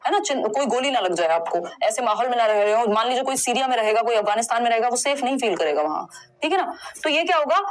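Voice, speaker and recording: In a low-quality recording, a young woman with a high voice runs an online exam-prep lesson, walking through test answers. She's reassuring and conversational, sprinkling English terms into her speech.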